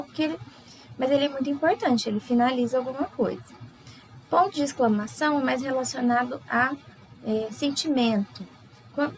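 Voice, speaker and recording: A woman teacher with a Brazilian Portuguese accent giving a recorded lesson, explaining slowly with many fillers. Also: fairly high pitch, a little hiss or hum, poor audio.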